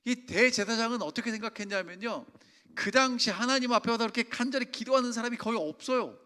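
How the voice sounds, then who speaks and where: High, bright-voiced pastor preaching in a reverberant church. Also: male voice, fast. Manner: emphatic, asks the congregation questions. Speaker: senior pastor. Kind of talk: sermon. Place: church sanctuary.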